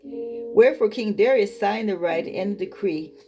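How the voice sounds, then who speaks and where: Woman, medium pitch, Bible teacher, scripture reading, colloquial emphatic commentary, background music. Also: normal speed, mellow.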